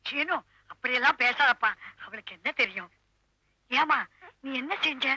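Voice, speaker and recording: An older actress playing a kindly grandmother who soothes a crying girl and gently reproaches a young man in a 1980s film. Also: sits high, animated, moderate pace, breathy edge, no echo, full character voice. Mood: soothing. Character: kindly old grandmother soothing and defending a child.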